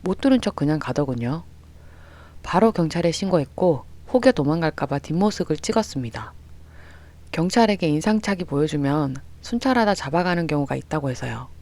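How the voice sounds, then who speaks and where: A story radio narrator reading a listener's account in a steady, mid-pitched voice. Quoted lines of dialogue come out higher and louder. The delivery stays scripted and even throughout. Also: fairly quick.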